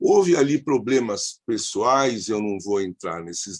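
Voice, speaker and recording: A man with a fairly high pitch speaks with very wide swings in pitch. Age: 70s. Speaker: Jungian analyst. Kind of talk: symposium talk. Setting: online live event.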